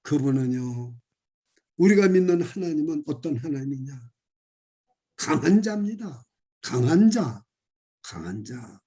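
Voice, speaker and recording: A man preaching a sermon as pastor, calling the congregation to shout along and rising to loud exclamations. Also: a little high, sing-song, measured pace, pauses often, slightly rough.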